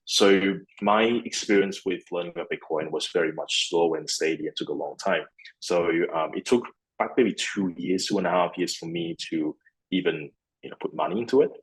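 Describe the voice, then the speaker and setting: A man's voice: low voice, brisk, slightly rough, low-quality recording. A man in his thirties from Malaysia, answering interview questions at length, with many restarts. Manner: rambling, with many restarts and fillers. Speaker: guest, fund CEO.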